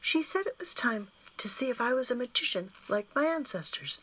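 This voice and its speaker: A woman's voice: fairly high pitch, animated, moderate pace, fairly bright tone, pitched above the performer's own voice, rough recording. A woman reading aloud and voicing an earnest, curious young boy with eager questions.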